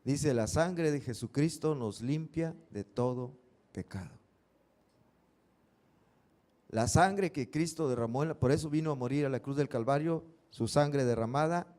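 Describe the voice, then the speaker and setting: Earnest pastor preaching. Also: male voice, medium pitch, darkish tone. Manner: earnest, uses rhetorical questions and vivid stories. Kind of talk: sermon.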